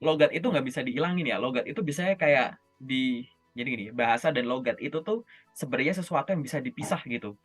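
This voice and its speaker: A man coaching job interview skills in a casual, lively session over a video call, often checking in with his listener. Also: medium pitch, fast talker, faint music behind. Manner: lively, chatty, often checks in with "oke?" and "gitu".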